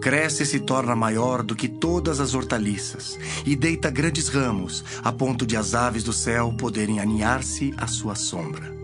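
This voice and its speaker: A man playing Jesus as a solemn, measured teacher in a dramatized audio Bible. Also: medium pitch, natural voice. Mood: solemn teaching. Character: Jesus, solemn teacher telling parables to followers. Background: music.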